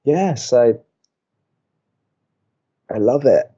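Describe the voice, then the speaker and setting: A man's voice: medium pitch, expressive, drawn-out words, dark tone, breathy edge, highs cut off, full character voice. An actor playing a reserved, antsy young man in love, a college radio co-host, with a hesitant, dry, understated delivery in an audio romantic comedy. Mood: flustered, moved. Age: young adult.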